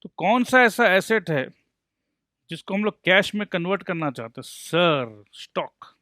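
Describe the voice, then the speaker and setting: A man with a high, bright voice gives a lively accountancy lecture, recorded dry and close. He jokes his way through each point and answers his own questions as if a student had asked them. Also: measured pace, dry recording. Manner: playful, mixes Hindi and English, jokes to explain. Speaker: accountancy teacher.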